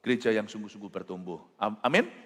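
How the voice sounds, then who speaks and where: A male pastor preaching a sermon in an animated, emphatic way, telling stories and slipping in English phrases. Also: fairly low pitch, quick pace. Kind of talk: sermon with storytelling. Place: church. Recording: reverberant church hall with faint music.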